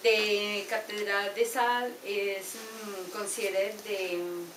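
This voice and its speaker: An older woman from Colombia with a Colombian Spanish accent, giving a halting show and tell in English from a paper, slipping into Spanish words. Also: mid-range voice, fairly even intonation, noisy background. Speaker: adult English learner. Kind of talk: classroom show and tell presentation. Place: small classroom. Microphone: far camera. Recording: roomy classroom from far off with clicks.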